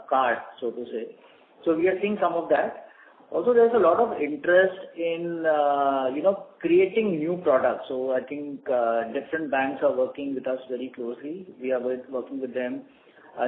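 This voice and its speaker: A man speaking as a company executive, answering questions on an earnings call in a halting, hesitant way. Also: fairly high pitch, phone-quality sound. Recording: echoey, noisy, band-limited conference line.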